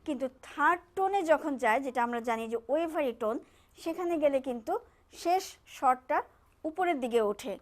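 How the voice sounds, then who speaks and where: Woman TV co-host, high voice, clear explainer. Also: expressive, a little fast. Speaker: co-host and interpreter. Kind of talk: explaining in a TV language class.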